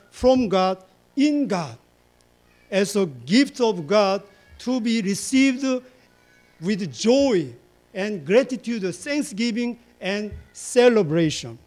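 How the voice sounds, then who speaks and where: A man preaching a sermon slowly, repeating words and phrases for emphasis and stringing long lists together. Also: sits high, big pitch swings, darkish tone. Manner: fillers and restarts, lists in long chains. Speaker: pastor.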